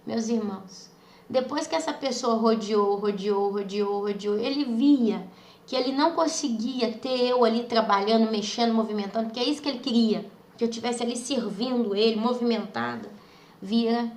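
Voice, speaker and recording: A woman tells her story to a congregation in a fairly high, urgent voice. She repeats her phrases for weight and keeps turning to her listeners. The sound rings with a roomy echo. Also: normal speed, a little mellow. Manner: repeats phrases, often calls the listeners "brothers". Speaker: preacher giving testimony. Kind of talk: emotional testimony to a congregation.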